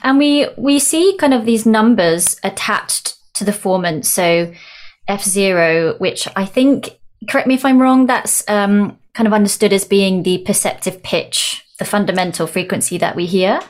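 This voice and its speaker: A woman's voice: mid-range voice, moderate pace. A woman interviewing an expert, curious and affirming, checking her understanding. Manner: curious, affirming, self-deprecating. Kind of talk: casual interview chat.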